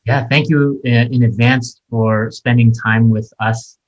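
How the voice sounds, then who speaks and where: A man's voice: mid-range voice, fairly even intonation, unhurried, highs cut off. A man hosting a podcast interview, introducing a guest and asking questions in an enthusiastic, chatty way with fillers. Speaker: podcast host.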